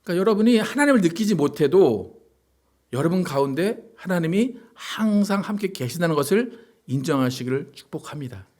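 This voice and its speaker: A man's voice: sits high, a little mellow. A male pastor giving a sermon in a conversational way, often asking the congregation rhetorical questions. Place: church sanctuary.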